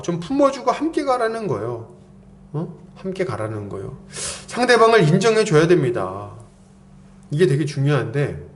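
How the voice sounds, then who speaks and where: Male pastor, fairly high voice with wide, lively pitch swings, casual preaching. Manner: conversational preaching, acts out quoted lines, chuckles often. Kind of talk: sermon.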